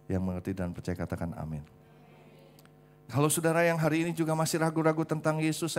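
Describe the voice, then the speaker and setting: A man's voice: lowish voice, a little mellow, slight background noise. A male pastor preaching a sermon emphatically, calling out to the congregation again and again and dropping in English phrases. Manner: emphatic, repeatedly addresses the congregation.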